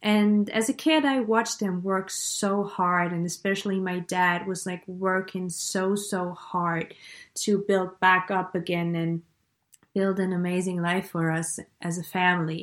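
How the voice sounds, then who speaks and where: Speaking at a fairly slow pace, a woman with a German accent uses a medium pitch and fairly even intonation. The recording is very clean, with a silent background. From East Germany. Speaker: podcast host, business mentor. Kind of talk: podcast trailer monologue.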